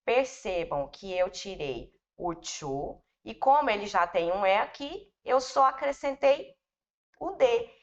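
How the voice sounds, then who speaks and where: A woman's voice: mid-range voice, sing-song, slow pace. A woman teacher with a Brazilian Portuguese accent, giving a patient, step-by-step grammar lesson and speaking informally to her students. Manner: addresses students informally, explains patiently with repetition. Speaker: English teacher. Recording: dull, lo-fi recording.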